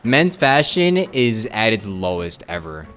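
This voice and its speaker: Smooth-voiced casual male game streamer. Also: fairly low pitch, very animated, a little slow, a bit bright. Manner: informal, repeats phrases for emphasis. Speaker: live streamer. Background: game music.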